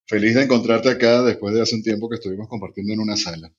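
A man's voice: lowish voice, steady tone, quick pace. Venezuelan man, eager, muffled audio. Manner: enthusiastic, long winding explanations. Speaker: radio broadcaster and podcaster, panel guest. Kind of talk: online panel discussion.

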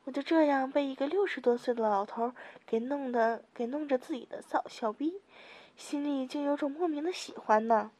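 High, breathy woman narrating intimately. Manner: soft, intimate storytelling with small giggles. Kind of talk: first-person adult audio story reading.

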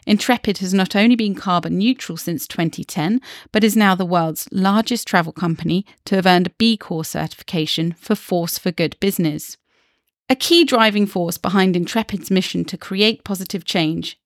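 Woman host reading a podcast script. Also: lowish voice. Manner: smooth, read from script. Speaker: podcast host, travel journalist. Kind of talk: scripted podcast intro and ad read.

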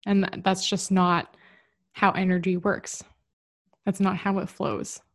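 A woman's voice: medium pitch, little pitch movement, unhurried. A woman giving a candid, rambling casual monologue about relationships, often restarting her sentences. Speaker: relationship and spirituality talker.

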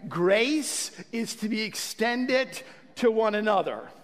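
This pastor speaks slowly in a high, animated voice as he greets his congregation and prays with them before the sermon. The recording carries the reverb of the church sanctuary, and his warm manner includes fillers and restarts.

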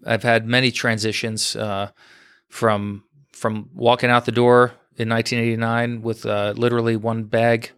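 Interview guest, man in his forties from New York, smooth, flat delivery, filler-heavy and unassuming. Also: mid-range voice, normal speed, dry recording, clean studio sound. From United States, New York. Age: 40s. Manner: steady, modest storytelling with frequent fillers. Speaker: guest, former fighter pilot. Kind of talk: casual podcast interview.

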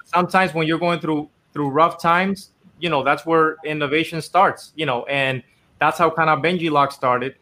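A man's voice: fairly high pitch, fairly even intonation, moderate pace, bright, forceful tone. A man from the Dominican Republic, a company founder, telling his story in a casual, earnest, rambling interview with many fillers.

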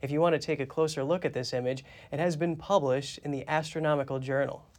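A male news anchor reads his script in a steady, clear manner. His voice sits a little higher than most men's. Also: fast talker.

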